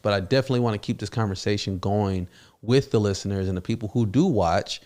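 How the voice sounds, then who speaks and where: A man hosting a podcast in relaxed, casual chat, laughing often. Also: fairly low pitch, fast. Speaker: podcast host.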